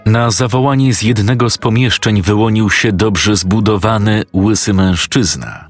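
A man narrating a scripted story in a steady, matter-of-fact way. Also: fairly low pitch, moderate pace, soft background music.

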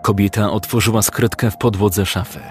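A male narrator reads a dramatic story as scripted audiobook narration, keeping a calm, measured delivery. His voice is on the low side, with soft music faintly underneath.

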